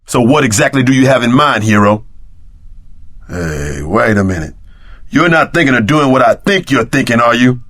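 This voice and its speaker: A man playing a brash, loyal tough-guy sidekick in an action video game, with slangy, streetwise, expressive delivery. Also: mid-range voice, normal speed, no echo, studio quality. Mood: skeptical, wary.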